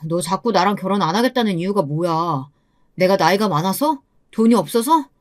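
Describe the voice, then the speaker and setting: A woman's voice: mid-range voice, lively intonation, brisk, natural voice. A woman voicing a pushy, stingy man in his late thirties who nags and reproaches his partner in a radio-style story. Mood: reproachful. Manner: reproachful, nagging.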